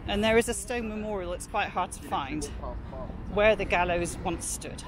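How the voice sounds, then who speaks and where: Walking outdoors with a camera mic, a woman gives a chatty, informal tour of a city park, mentioning prices and history. Her voice is mid-range and her pace moderate, with traffic and street noise in the background.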